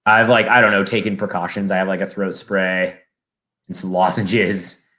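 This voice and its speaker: Young SoCal guy, podcast guest, low and bright voice, rambling, loose and casual. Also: level tone, normal speed. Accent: Southern California. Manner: rambling, full of fillers and restarts. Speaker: football play-by-play announcer and podcast guest.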